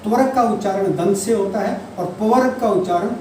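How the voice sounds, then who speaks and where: Hindi teacher, echoey and distant. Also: male voice, sits high, a little mellow. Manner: explains patiently, repeats key terms and drawls examples slowly. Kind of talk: classroom-style lecture. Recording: distant mic, echoey room, faint noise.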